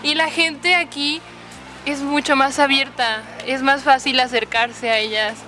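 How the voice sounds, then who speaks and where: A woman's voice: high-pitched, steady tone, measured pace, pushed and bright. A young woman from Mexico with a Mexican Spanish accent, an exchange student introducing herself cheerfully. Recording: faint music behind.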